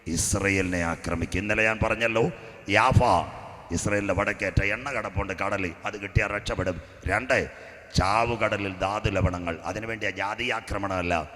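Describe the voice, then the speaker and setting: A man delivers a sermon in a fairly low voice. He spins a story with acted voices, then builds to loud, shouted declarations. A long hall reverb trails behind every phrase. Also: steady tone, normal speed. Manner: storytelling preacher, acts out characters, rises to shouting. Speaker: pastor.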